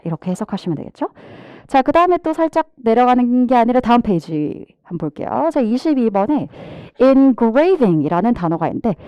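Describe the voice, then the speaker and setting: A woman's voice: on the high side, clean tone, dry recording. A woman TOEFL instructor giving a live online vocabulary lecture, having students repeat English words after her and talking straight to the class. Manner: lively teacher drilling pronunciation, has students repeat words; addresses the class directly, mixing English words into explanations.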